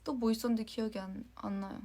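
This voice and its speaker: A young woman from Jeonju with a light Jeolla accent, chatting casually with fans on a livestream, giggling and sometimes dropping into a soft whisper. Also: a little high, steady tone, fast talker. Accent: light Jeolla Korean. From Jeonju, Korea. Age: young adult. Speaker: idol livestream host.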